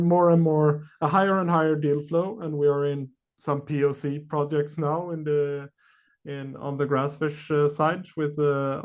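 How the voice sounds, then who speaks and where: A man answering questions as a company executive on an earnings call, speaking haltingly with many long filled pauses. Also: a little high, darkish tone.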